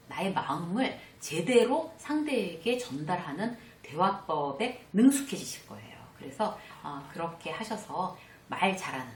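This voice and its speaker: Middle-aged woman lecturer, animated delivery with acted example dialogues, roomy distant recording. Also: lowish voice, a little hiss or hum. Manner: acts out short quoted dialogues, animated delivery. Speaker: workplace communication lecturer.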